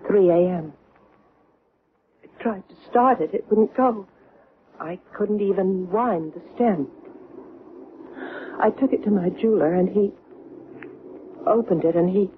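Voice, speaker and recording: An actress playing an earnest, haunted middle-aged woman in a vintage radio drama, recalling strange things in hesitant, deliberate, broken phrases. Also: on the low side. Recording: noisy, tinny old radio recording.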